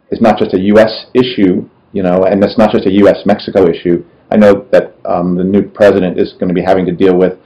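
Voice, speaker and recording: A man hosting a podcast interview over a video call, asking halting questions with many restarts. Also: deep voice, warm tone, low-quality recording. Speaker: podcast host.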